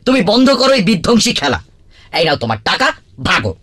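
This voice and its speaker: A man playing an excitable, easily flustered circus boss in a children's cartoon. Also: sits high, a little fast, exaggerated voice. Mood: alarmed, exasperated. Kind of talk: Bengali children's cartoon dubbing. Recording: music behind the voice.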